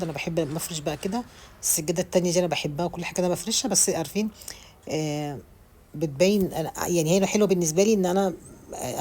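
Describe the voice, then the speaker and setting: Fast-talking Egyptian woman vlogger. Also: on the low side, a little mellow, slight background noise. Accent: Egyptian Arabic. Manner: chatty, rambling, with frequent restarts. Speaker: home vlogger. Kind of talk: casual voice-over while cleaning. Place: at home.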